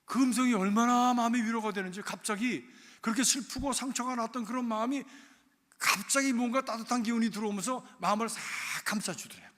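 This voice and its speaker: Male pastor, storytelling sermon; high and bright-toned, with emotive swings in loudness, in a reverberant church. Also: fast. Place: church sanctuary.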